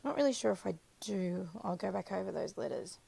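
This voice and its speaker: A woman with a croaky, scratchy voice chatting casually through a crafting voiceover, rambling and correcting herself as she goes. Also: mid-range voice, expressive, brisk, dark tone. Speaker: craft video maker. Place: voiceover recorded apart from the footage.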